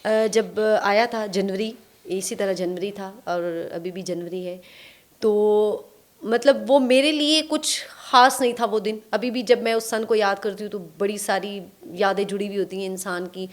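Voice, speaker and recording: A woman's voice: mid-range voice, normal speed. Young woman telling her story. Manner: reflective, storytelling, hesitant fillers. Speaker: actress, guest. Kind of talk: casual interview chat.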